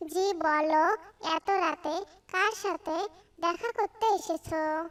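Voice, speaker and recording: A cartoonish character voice from a woman, extremely high in pitch and delivered at a very slow pace. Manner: rude, harsh.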